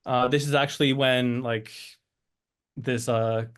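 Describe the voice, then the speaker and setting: A man in his thirties, raised between Switzerland and the United States, tells his own story as a guest. He is reflective and hesitant, often pausing to find the next phrase. His voice stays in a medium male register. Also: medium pitch, fairly even intonation, a bit bright, clean tone. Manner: hesitant, searching for words. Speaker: interview guest.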